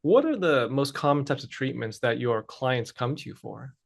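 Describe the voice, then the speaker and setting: A man's voice: mid-range voice, moderate pace, vocal fry. A man hosting a podcast, reading a guest introduction and asking interview questions. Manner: steady, reads scripted intro then asks questions. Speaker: podcast host.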